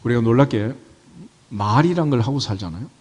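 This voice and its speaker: A man delivers a sermon from the pulpit in an easygoing, conversational way, often turning lines into questions for the listeners. His voice rises and falls with lively pitch. The sound carries a long reverb from the church hall. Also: fairly quick, breathy edge. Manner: conversational, asks the congregation rhetorical questions. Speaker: pastor. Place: church sanctuary.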